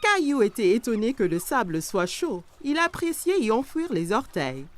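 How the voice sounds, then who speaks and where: A woman giving scripted storybook narration for a children's cartoon, expressive and aimed at young listeners. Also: on the high side, moderate pace, faint music behind.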